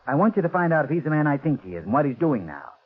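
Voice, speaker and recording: A man playing an anxious, hurried former prison guard in 1940s radio drama style. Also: on the high side, very animated, husky. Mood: urgent, anxious. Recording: muffled, phone-like 1940s radio recording.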